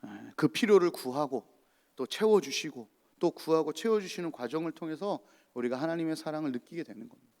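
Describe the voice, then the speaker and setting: A man's voice: a little high, animated, a little fast. A male pastor giving a sermon and asking the congregation rhetorical questions. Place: church. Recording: long church reverb.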